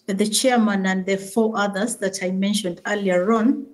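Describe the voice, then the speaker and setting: A woman, the organisation's CEO, giving a formal speech full of prayers and blessings, with many pauses and fillers, joining remotely. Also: mid-range voice, steady tone, darkish tone. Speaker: SACCO CEO addressing members remotely. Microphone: remote link into the meeting.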